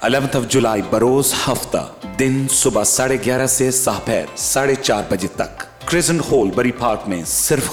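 A man reading a formal, measured radio announcement as a voice-over. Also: medium pitch. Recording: roomy reverberant voice-over.

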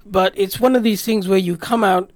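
Man, high voice, dry studio sound, earnest, rambling recollection. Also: steady tone, normal speed, dry recording. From Britain. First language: English. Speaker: radio guest. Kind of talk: personal travel recollection in a radio interview.

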